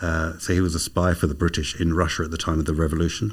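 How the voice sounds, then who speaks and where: With an English accent, a man speaks at a moderate pace in a very deep, low voice. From England. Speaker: podcast guest, former teacher. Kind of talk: casual interview chat. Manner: halting, repeats words often.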